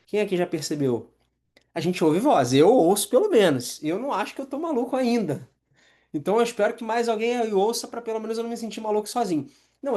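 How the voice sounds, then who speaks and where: A man's voice: sits high, warm tone. Male mental coach, live masterclass; conversational, engages the room with questions. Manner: conversational, asks the audience questions, acts out inner voices.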